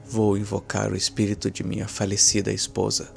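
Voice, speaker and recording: A man's voice: on the low side, completely flat delivery, fairly quick, vocal fry, soft background music. A man voicing a cynical, cruel professor and fraudulent medium in an audio horror story, commanding and coldly sinister. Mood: mocking.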